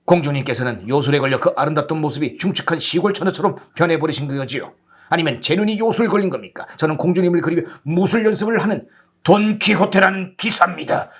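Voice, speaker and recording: A man's voice: on the high side, quick pace, fairly bright tone, husky. A man plays an old, deluded knight in a storybook reading. He is pompous and lovelorn, speaking in a lordly, theatrical way. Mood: adoring, pleading.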